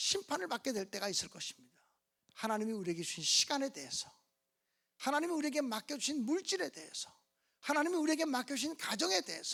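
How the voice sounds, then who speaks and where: A man projects a raised voice at an extremely high pitch. His tone is bright and sharp, with very wide pitch swings. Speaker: guest preacher at revival meeting. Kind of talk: sermon. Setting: church with congregation. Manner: fast.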